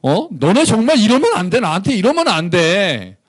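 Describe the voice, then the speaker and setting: A man's voice: high voice, big pitch swings, normal speed, no room sound, studio quality, pitched above the performer's own voice. A pastor voicing God as an exasperated figure who scolds his people bluntly and casually. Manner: indignant, blunt casual speech.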